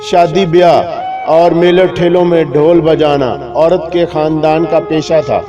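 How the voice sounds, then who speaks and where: A man reading a scripted humorous moral tale in a measured, literary, mock-solemn storytelling manner. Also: fairly high pitch, steady tone. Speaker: story narrator. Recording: dull lo-fi recording with music behind. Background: clear background music.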